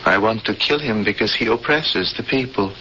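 A man's voice: fairly low pitch, moderate pace, bright, forceful tone. A man acting in a 1970s radio drama as an earnest, fatalistic prisoner and would-be rebel, speaking in solemn, formal phrases. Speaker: actor playing a cellmate. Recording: dull, noisy vintage radio broadcast.

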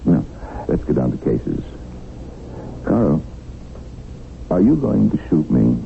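Wry, very deep-voiced tycoon. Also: male voice, very animated, takes it slowly, gravelly, full character voice. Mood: probing, mock-innocent. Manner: sardonic, genial, probing. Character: wry, unflappable male capitalist tycoon held hostage. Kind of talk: 1970s radio drama acting. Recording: muffled, noisy 1970s radio broadcast.

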